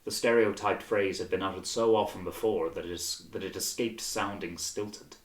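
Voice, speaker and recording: Low-voiced male narrator, roomy sound. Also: steady tone, moderate pace. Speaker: audiobook narrator. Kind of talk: scripted storybook narration.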